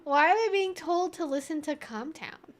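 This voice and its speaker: Female streamer, high-pitched voice, informal and wry, reacting aloud to viewer messages. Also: lively intonation, moderate pace. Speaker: livestream host answering viewer chat. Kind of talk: casual livestream chat.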